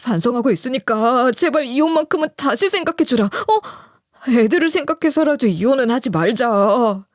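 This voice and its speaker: A woman's voice: on the high side, lively intonation, moderate pace, no echo, clean studio sound, lightly acted. A woman voicing a cheating middle-aged husband who stammers and begs his wife. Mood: pleading. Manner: stammering, begging.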